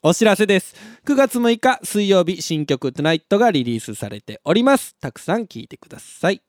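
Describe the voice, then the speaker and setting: A young man with a Kansai accent, hosting a live radio show and telling stories in a casual, animated way. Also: sits high, fairly quick, no room sound, studio quality. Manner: animated storytelling, laughs at his own story.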